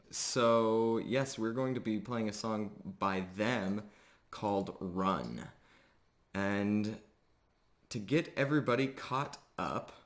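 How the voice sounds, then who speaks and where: A man hosting a roleplay stream as game master, chatting casually and informally with halting announcements. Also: deep voice. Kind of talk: casual chat introducing a live roleplay stream.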